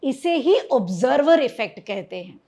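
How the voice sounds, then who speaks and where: A woman's voice: high-pitched, very animated, unhurried, mellow. A woman giving a motivational lesson as a manifestation coach, mixing in English phrases, asking rhetorical questions and speaking directly to her listeners.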